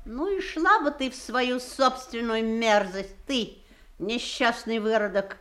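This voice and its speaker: A woman's voice: a little high, slow pace, a bit bright. An actress playing a proud middle-aged wife and mother with a sardonic, controlled, pointed manner in a theatrical audio drama. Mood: scathing.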